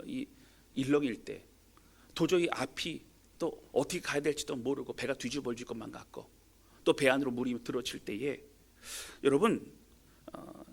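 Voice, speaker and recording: A pastor preaching a sermon at a Friday prayer meeting, leading the congregation through scripture with dramatic swings in pitch and volume. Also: male voice, vocal fry, husky. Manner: leads congregation in reading scripture aloud.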